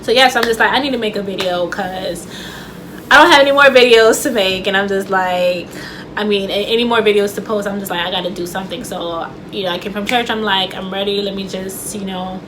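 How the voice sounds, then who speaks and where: A woman's voice: mid-range voice, a little fast. Woman vlogging at home, stutters a bit, rambly and casual, faint ac hum behind. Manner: stutters, with repeated words and restarts; chatty and loose, with many fillers. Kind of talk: casual talk to camera. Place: home room with air conditioner running. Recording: faint air conditioner hum.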